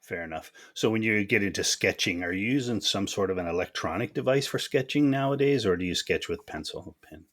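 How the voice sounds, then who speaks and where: A man's voice: lowish voice, a little fast, hardly any pauses, fairly bright tone. A man hosting a podcast, asking questions in a chatty, friendly way. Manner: friendly, chatty, asks follow-ups. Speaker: podcast host. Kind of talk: casual interview questions.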